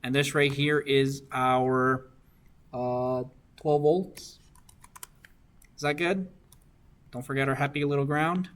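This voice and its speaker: A man's voice: mid-range voice, little pitch movement, takes it slowly, long pauses, fairly bright tone, clear, resonant tone. A young man working circuit homework problems for a class, often asking "right?" to check that students follow. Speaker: engineering discussion instructor.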